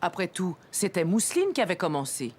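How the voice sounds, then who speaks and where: A woman's voice: on the low side, sing-song, a little fast, a little hiss or hum. A woman playing the storyteller of a children's cartoon, reading scripted narration. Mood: storytelling. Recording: music behind the voice.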